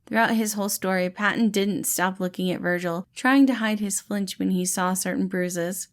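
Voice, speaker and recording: A woman's voice: medium pitch, steady tone, moderate pace. A woman narrating a scripted story as an audiobook-style reader of fan fiction.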